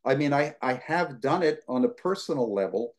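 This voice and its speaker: A man in his sixties from the United States, answering questions as a guest lecturer on a video call from his living room, relaxed and rambling with many fillers. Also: medium pitch, moderate pace. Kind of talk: conversational Q&A answer.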